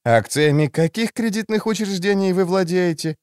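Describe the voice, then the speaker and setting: A man's voice: high-pitched, normal speed, darkish tone, clean tone, no echo, studio quality, pitched above the performer's own voice, natural voice. A man reading an audiobook, voicing a smug, theatrical grown man with a grandiose, mock-dramatic manner.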